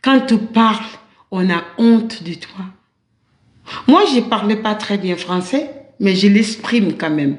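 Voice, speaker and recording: A woman speaks very slowly with lively intonation and a somewhat breathy quality. Her speech has long, frequent pauses. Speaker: political commentator. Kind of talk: political rant. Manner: animated.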